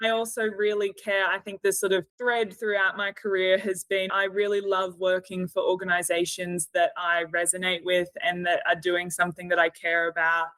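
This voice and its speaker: A woman's voice: lowish voice, flat delivery, normal speed, hardly any pauses, fairly bright tone, no echo, rough recording. A woman in her thirties from Australia with an Australian accent, chatting as a podcast guest and hedging often with "sort of" and "you know". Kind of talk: casual interview chat.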